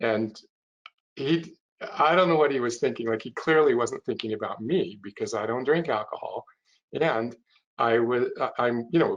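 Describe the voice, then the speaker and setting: With a normal speaking voice, a man talks at a moderate pace and medium pitch with lively intonation. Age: 60s. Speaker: doctor. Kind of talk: interview.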